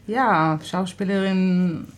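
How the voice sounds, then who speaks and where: Slow Israeli-accented woman, hesitant. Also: fairly low pitch. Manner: hesitant, searching for words, laughs often. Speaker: guest, actress and theatre director. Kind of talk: radio interview.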